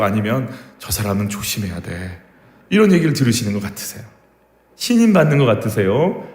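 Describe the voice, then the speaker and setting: A man preaching a sermon as pastor, talking in a conversational way and asking the congregation questions. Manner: acts out quoted voices with sharp drops in pitch and volume. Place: church sanctuary, echoey. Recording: echoey hall with long reverb.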